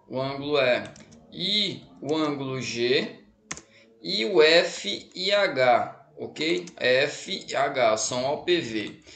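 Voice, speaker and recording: A man pitched fairly high, with lively intonation and a very slow pace, amid noticeable background noise and audible room echo. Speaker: school math teacher. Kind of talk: lecture.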